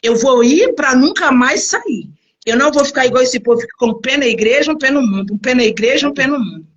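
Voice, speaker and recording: A middle-aged woman from Brazil speaks as a pastor sharing her testimony. Her voice sits high. She tells the story with animated energy, slipping into the voices of the people she quotes. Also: quick pace, husky, dull audio. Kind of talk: personal testimony.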